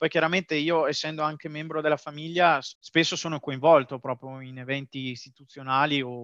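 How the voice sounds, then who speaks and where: Against a quiet background, a man speaks at a moderate pace in monotone, flat intonation with a dry, close sound and no echo. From Italy, Verona province (Valpolicella). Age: 30s. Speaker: wine export manager and sommelier. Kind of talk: interview.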